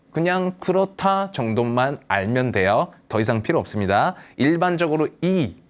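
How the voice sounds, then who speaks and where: A man teaching English pronunciation to older learners, patiently modelling words for the viewer to repeat and reassuring them. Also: medium pitch. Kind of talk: slow, patient language lesson for seniors.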